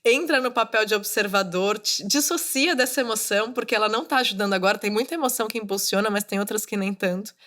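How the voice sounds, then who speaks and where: A woman's voice: medium pitch, quick pace, few pauses, a bit bright. A woman in her thirties hosting a solo podcast, talking casually and coaching her listeners directly. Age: 30s. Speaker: podcast host. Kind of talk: solo podcast monologue, motivational.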